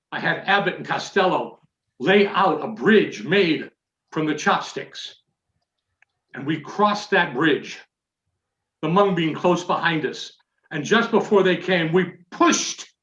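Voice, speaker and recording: A man telling a mock-serious tall tale as a theatrical storytelling speech, with dramatic pauses and deliberate phrasing. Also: on the high side, a bit bright. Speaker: Toastmasters contest speaker telling a tall tale. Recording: echoey room, dull muffled audio.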